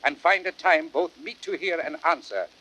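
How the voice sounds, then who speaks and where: An actor playing a grave, reserved, honourable Roman nobleman in a measured, formal Shakespearean style. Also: a little high, animated, bright, forceful tone. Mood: guarded, earnest. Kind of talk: classical Shakespearean radio drama acting. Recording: noisy vintage spoken-word drama record.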